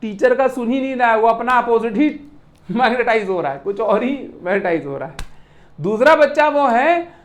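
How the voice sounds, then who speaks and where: Physics lecturer, lively and repetitive, teases the class with analogies and quick check-in questions. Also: medium pitch. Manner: animated, repeats points with rhetorical questions and playful classroom analogies; mixes English technical terms into Hindi speech. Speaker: physics teacher.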